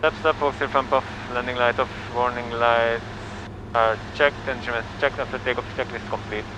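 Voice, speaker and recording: A man's voice: mid-range voice, steady tone, fairly quick. A man flying solo as a student pilot, talking through checks and radio calls in a clipped, methodical way. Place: small aircraft cockpit in flight. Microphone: cockpit intercom headset. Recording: dull cockpit audio with aircraft noise.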